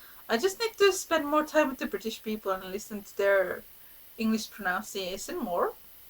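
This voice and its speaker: A woman speaks with a Finnish accent. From Finland. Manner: hesitant, many filler sounds.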